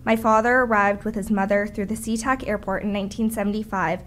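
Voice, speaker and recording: A woman's voice: mid-range voice, fairly even intonation, a little fast, fairly bright tone, slight background noise. A teenage girl from Seattle reading an earnest, formal prepared statement as public comment. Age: teens.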